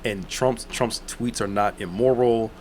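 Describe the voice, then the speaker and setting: A man's voice: on the low side, steady tone, unhurried, darkish tone, slight background noise. A man in his thirties co-hosting a call-in talk show, casual and chatty, often agreeing with the host. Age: 30s. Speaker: radio co-host.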